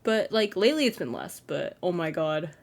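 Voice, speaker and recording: A young trans content creator talks late at night from his bedroom in a loose, self-conscious vlog ramble full of "like." The voice sits high and sounds feminine and fairly flat, with a gravelly edge and a normal speed.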